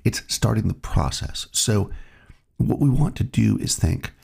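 A man hosting his own podcast, talking in a relaxed, reflective way while he has a cold. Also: fairly low pitch, a little slow, gravelly, breathy edge. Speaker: podcast host. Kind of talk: solo podcast monologue.

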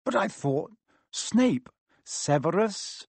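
A man's voice: high-pitched, sing-song, takes it slowly, darkish tone, breathy edge, dry recording, voice pushed up, heavily acted. A man voicing a brave, modest young schoolboy hero who speaks with urgent earnestness, in a storybook reading. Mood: shocked.

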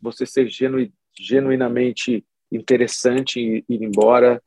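A man's voice: medium pitch, a little slow, no room sound, rough recording. A man, a musician guest, talking casually in an interview, loose and rambling with lots of slang. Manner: relaxed, rambling, full of slang and restarts.

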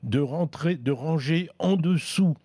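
A man chatting casually on a radio tech show, reviewing gadgets in an unhurried way with many hesitations. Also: on the high side, warm tone, breathy edge, no room sound, studio quality.

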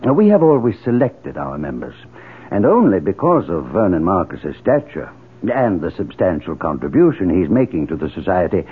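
A suave, pompous leader of a secret society in a radio drama. His lowish voice rises and falls theatrically as he speaks in formal, lofty phrases. The recording is tinny, like a seventies broadcast. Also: sing-song, husky, exaggerated voice. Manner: formal, pompous, measured oratory. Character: imperious, suave male leader of secretive moral-crusade society. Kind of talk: 1970s radio drama acting.

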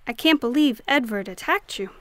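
A man's voice: very high-pitched, lively intonation, moderate pace, bright, forceful tone, no room sound, full character voice. A male narrator voicing a young noblewoman in an audiobook. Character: young noblewoman, warm and teasing.

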